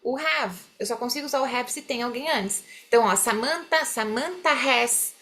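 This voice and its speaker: Woman, young adult, online English teacher, fairly high voice, slows down to model words, checks in with students. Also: fairly bright tone.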